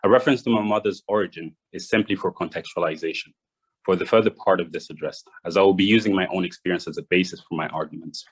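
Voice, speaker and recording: Low-voiced Rwandan man giving an address. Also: husky, poor audio. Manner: measured, reads from notes with small restarts. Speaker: guest speaker. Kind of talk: prepared address.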